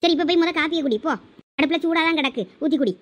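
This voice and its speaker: A woman voicing a kindly, fretful mother-in-law in a cartoon who soothes and coaxes in a Thoothukudi Tamil accent, a little lower than her other voices. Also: fast talker, a bit bright. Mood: coaxing.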